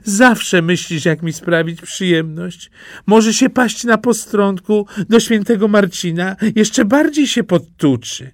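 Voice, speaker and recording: A man's voice: high-pitched, expressive, slow pace, dry recording, studio quality, pitched above the performer's own voice, exaggerated voice. A man putting on a gushing old farm wife. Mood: gushing delight. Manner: gushing, delighted.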